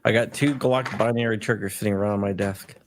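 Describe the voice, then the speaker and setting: A man's voice: on the low side, steady tone, a little fast, background noise. Eager stammering male host. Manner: enthusiastic, stammering restarts. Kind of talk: casual livestream chat.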